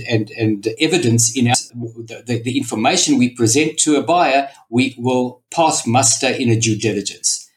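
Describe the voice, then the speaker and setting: South African man explaining business deals. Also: medium pitch. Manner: steady explanations with frequent restarts. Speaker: business broker, guest. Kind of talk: interview conversation.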